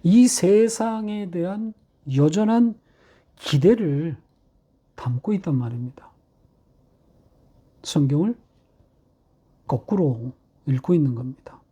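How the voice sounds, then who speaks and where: Middle-aged guy preaching slow, husky mellow voice, lots of rhetorical questions. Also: a little high. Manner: rhetorical questions, measured delivery with slowed emphatic phrases. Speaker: pastor. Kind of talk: sermon.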